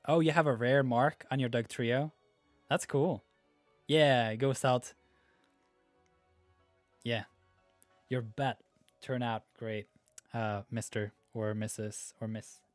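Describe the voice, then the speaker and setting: A man's voice: mid-range voice, fairly even intonation, slow, pauses often, no echo, faint music behind. A man from Norway with a Norwegian accent, hosting a gaming livestream in laid-back, rambling chat while reading viewer comments. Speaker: livestream host.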